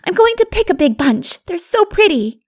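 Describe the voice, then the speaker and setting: A cheerful girl from a storybook, put on by a woman narrator. She speaks up high with excitable admiration, in simple exclamations. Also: moderate pace. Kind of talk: audiobook character voice.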